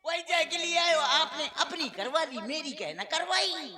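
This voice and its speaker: A man's voice: very high voice, animated, a little slow, sharp tone. A man with a Bundeli accent doing rustic, whiny, joking banter in folk stage comedy. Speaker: comedian playing a village friend.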